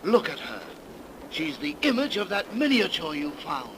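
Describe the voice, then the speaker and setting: Jittery young male, high voice, swinging pitch, melodramatic 1930s radio fright, noisy old recording. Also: very animated, normal speed, gravelly, full character voice. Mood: astonished. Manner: anxious, melodramatic. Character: nervous, fearful young man spooked by ghosts.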